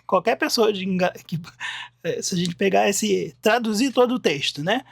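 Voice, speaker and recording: A Bible teacher with a Brazilian Portuguese accent walks through slides in a recorded lesson, thinking aloud and tossing in frequent "né?" as sentences restart. The voice sits at a middling pitch. The sound is dry and close, with no room echo. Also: normal speed, vocal fry.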